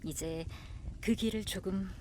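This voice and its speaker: A woman acting a gentle, wise middle-aged mother in an audio drama. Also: mid-range voice, measured pace, noisy background, close to an everyday voice. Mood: tender, wise.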